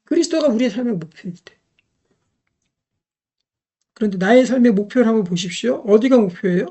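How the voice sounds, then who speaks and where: A woman's voice: fairly high pitch, lively intonation, fairly quick, mellow. A middle-aged woman preaching a sermon, emphatic, repeating key phrases and putting rhetorical questions to the congregation.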